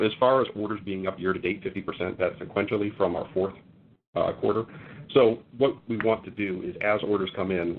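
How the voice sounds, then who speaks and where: A male company executive answering questions on an earnings call, explaining in a halting way with repeated words. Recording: phone-like conference line, faint rumble.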